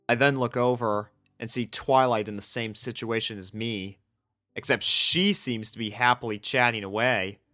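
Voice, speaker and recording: A man's voice: medium pitch, sharp tone. A man reading a first-person fan fiction story as its narrator.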